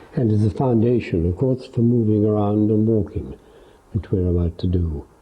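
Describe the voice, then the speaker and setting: Soft-spoken and somewhat breathy, a man talks at a moderate pace with a fairly low pitch, ordinary pitch variation and very even loudness. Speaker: Alexander Technique teacher. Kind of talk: instructional talk explaining a course.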